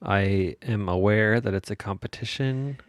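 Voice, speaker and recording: A man's voice: lowish voice, unhurried, dry recording, clean studio sound. An American man co-hosting a podcast, telling stories in casual comedic banter. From United States. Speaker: podcast co-host.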